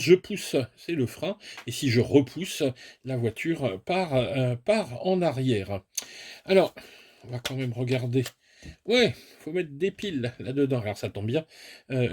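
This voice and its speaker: A man's voice: mid-range voice, a little mellow, slight background noise. A man giving a chatty, self-mocking unboxing review of a remote-control car, explaining each step as he goes. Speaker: toy and hobby product reviewer.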